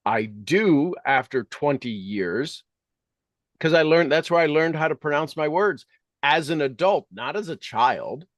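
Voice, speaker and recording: A man's voice: fairly high pitch, lively intonation, unhurried, dry recording. A middle-aged or older man talking conversationally like a coach, emphatic and repeating phrases to drive points home.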